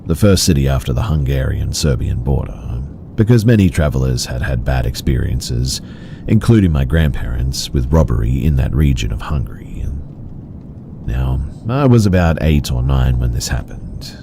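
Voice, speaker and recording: A man reading out horror stories in an even, measured storytelling delivery. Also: extremely low pitch, gravelly, background noise. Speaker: story narrator. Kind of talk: scripted horror story narration.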